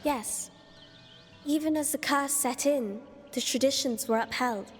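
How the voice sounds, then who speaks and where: A mysterious girl guide in a fantasy game speaks in a high, unhurried voice. She is playful and cryptic, teasing gently, and her words ring in a long reverb over faint music. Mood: calm, informative. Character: enigmatic playful girl guide in a cursed mythic Persia. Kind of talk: video game dialogue.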